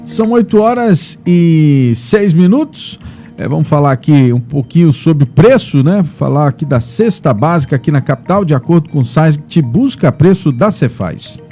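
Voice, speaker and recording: A man's voice: fairly high pitch, animated, normal speed, dark tone, faint music behind. A man hosting a morning news show, commenting in a conversational way, often tagging his sentences with questions. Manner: conversational, frequent "né?" tags and repetitions. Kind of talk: casual on-air commentary.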